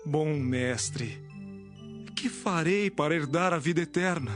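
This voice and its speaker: Man acting earnest rich believer, slow pace, Bible dramatization, faint music. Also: a little high. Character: earnest, devout rich man questioning his teacher.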